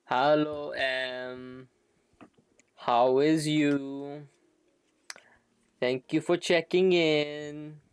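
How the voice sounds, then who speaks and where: Slow-paced man streaming a game. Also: on the high side, flat delivery, smooth, no room sound. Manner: rambling, thinking aloud, salty. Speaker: game livestreamer. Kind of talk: casual gaming stream commentary.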